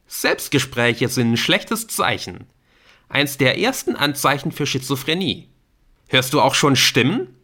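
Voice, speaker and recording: A man's voice: a little high, very animated, slow, hardly any pauses, sharp tone, husky, voice pushed up, exaggerated voice. A man voicing a cheeky, teasing teenage boy in an audiobook reading. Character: cheeky teenage boy with crooked teeth, grinning prankster.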